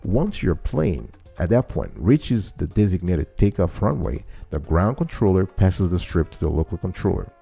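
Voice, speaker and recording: Deep-voiced man with a gravelly, dark tone. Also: sing-song, moderate pace, hardly any pauses, faint music behind. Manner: didactic, repeats and restates key phrases. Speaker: show host and explainer. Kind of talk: informal explanatory monologue, addressing listeners.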